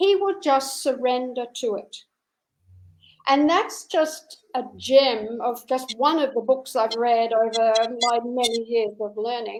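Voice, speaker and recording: A woman speaks very slowly in a high pitch. Her pitch variation is ordinary. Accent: Australian. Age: 60s. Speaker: holistic healing guest speaker. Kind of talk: podcast interview.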